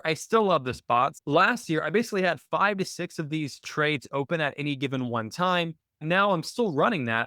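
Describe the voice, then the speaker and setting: A man's voice: a little high, a bit bright, clear, resonant tone, no room sound, clean studio sound. A man hosting a live question-and-answer webinar, explaining step by step and often posing questions that he then answers himself. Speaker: webinar host teaching options trading bots. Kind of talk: live screen-share Q&A walkthrough.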